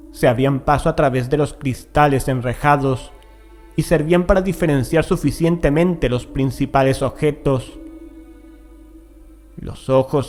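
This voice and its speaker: A man reading a gothic horror tale as an audiobook narrator, in a measured, deliberate manner with dramatic pauses. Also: mid-range voice, darkish tone. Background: music.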